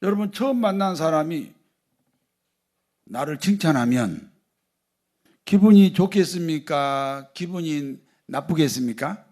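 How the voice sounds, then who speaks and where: A male pastor giving a sermon, often putting rhetorical questions to the congregation and moving between loud emphasis and quiet asides. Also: a little high, lively intonation, unhurried, long pauses.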